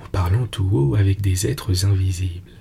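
A man narrating a classic fairy tale in French, measured and unhurried. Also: deep voice, creaky, dark tone, slight background noise.

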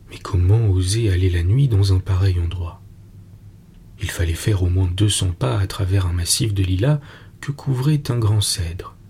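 A man narrating a classic fairy tale in French, measured and unhurried. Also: deep voice, gravelly, darkish tone, slight background noise.

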